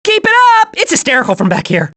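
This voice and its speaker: An actor voicing a hyperactive, naive, cheerful squirrel in an animated video game, with an excitable, childlike manner. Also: very high voice, fast, exaggerated voice. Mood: gleeful. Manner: excitable, childlike, gleeful exclamations.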